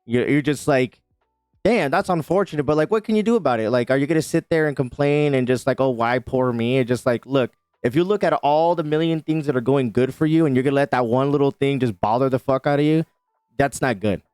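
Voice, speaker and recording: A man with a smooth, resonant voice talks casually as a podcast co-host. He rambles loosely and swears freely, and the sound is close and dry with faint music underneath. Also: medium pitch, quick pace, darkish tone, no echo. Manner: loose and rambling, with frequent swearing and "you know what I mean". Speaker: father and husband.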